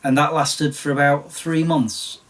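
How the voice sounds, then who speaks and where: A man in his late forties with a Sheffield accent, chatting casually and self-deprecatingly about his past, his voice slightly croaky. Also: fairly high pitch, flat delivery, a little slow, fairly bright tone, distant mic. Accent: Sheffield English. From Sheffield, England. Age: late 40s. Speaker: YouTuber. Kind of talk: casual storytelling monologue.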